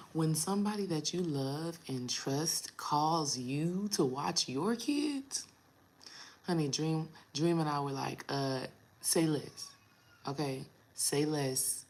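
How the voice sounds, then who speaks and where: A woman in her thirties with a raspy, low morning voice, talking casually to her viewers as a spiritual coach. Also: expressive, a little mellow. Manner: chatty, addresses viewers as y'all, drawn-out pauses. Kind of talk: casual vlog talk to viewers.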